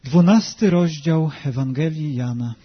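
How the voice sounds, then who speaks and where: A man interpreting a sermon live, talking quickly and evenly and slowing down for scripture readings. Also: on the high side, slightly rough. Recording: dull lo-fi sound.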